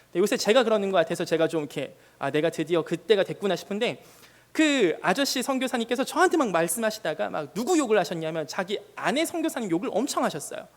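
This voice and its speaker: A man in his thirties, a junior pastor preaching a sermon in a lively, conversational way with touches of humor. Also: high-pitched, fast. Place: church sanctuary. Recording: long reverb in a church hall.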